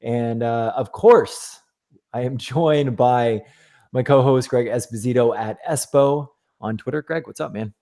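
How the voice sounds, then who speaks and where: A man hosting a casual sports podcast, his voice hoarse and giving out, talking in a loose, rambling way from an echoey, half-empty office. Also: mid-range voice, unhurried, warm tone. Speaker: podcast host.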